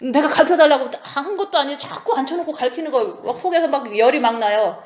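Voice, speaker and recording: A woman's voice: high voice, fast talker. Chatty Korean woman preaching, echoey room. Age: 40s. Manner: conversational, keeps asking the audience "right?". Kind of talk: sermon.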